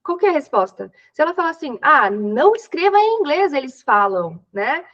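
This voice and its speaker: A woman's voice: sits high, big pitch swings, a little fast, fairly bright tone, highs cut off. A young Brazilian woman who teaches English in an exam-prep class, walking through reading techniques in a chatty, step-by-step way and checking in with her students often. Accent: Brazilian Portuguese. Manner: chatty, explains step by step, frequent "né?". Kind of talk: online exam-prep lesson.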